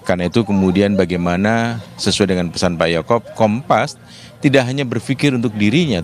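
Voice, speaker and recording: A man, a newspaper executive, answering a reporter's questions outdoors in a measured, reflective way with occasional fillers. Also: on the low side. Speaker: newspaper deputy chief, interviewee. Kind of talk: live interview answers. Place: outdoors at a cemetery.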